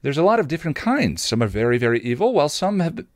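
A man voicing a blunt, literal-minded woman who explains things in a brisk, pedantic way for a story. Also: on the high side, very animated, dry recording, clean studio sound, voice pushed up. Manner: brisk, matter-of-fact, pedantic.

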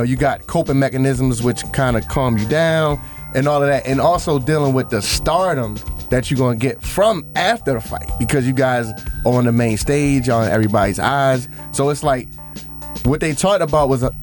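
A man in his late thirties co-hosting a radio show in a studio, easygoing and quick to laugh. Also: medium pitch, soft background music. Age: 30s. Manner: laughs often, teasing, loose and easygoing. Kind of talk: casual studio banter.

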